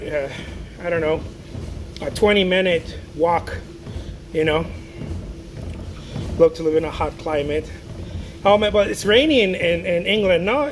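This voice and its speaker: A man from Mexico, an artist chatting casually on a livestream, rambling with many restarts and reading viewer comments aloud. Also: high-pitched. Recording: noticeable background noise.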